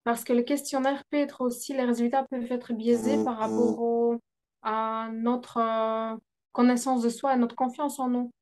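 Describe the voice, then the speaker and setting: A fairly high-voiced young woman speaks as a guest in a relaxed interview. She talks haltingly, pausing often and reaching for the right word before going on. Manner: hesitant, searching for words with many pauses. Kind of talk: conversational interview.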